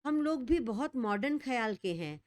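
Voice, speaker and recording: A woman's voice: a little high, animated, normal speed, darkish tone, no echo, clean studio sound, lightly acted. A woman playing a flustered old village aunt. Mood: nervous, fawning. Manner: rustic dialect speech, nervous fawning.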